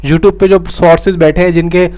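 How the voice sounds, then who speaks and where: A man's voice: sits high, fairly even intonation, moderate pace, darkish tone. A young man giving a casual, insistent film news update to his viewers, repeating himself and calling them brothers and friends. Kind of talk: casual direct-to-camera update.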